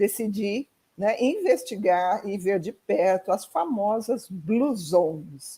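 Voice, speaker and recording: This woman talks at a very slow pace in a medium pitch with ordinary pitch variation. Her tone is dark and mellow, and somewhat breathy. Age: 60s. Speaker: journalist. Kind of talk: interview. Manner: halting, repeats words.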